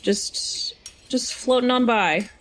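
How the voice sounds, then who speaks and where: A woman's voice: on the high side, takes it slowly, slight background noise. A woman playing a tabletop game, describing her moves in a laid-back, casual way.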